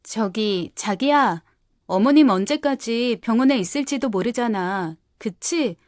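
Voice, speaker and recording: A selfish young wife full of scorn, as a woman acts her out, coaxing and sharp by turns. Her voice sits a little high, and the recording is close and dry. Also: animated, measured pace, no echo. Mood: wheedling. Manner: wheedling, then shrill and defensive. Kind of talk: audio drama.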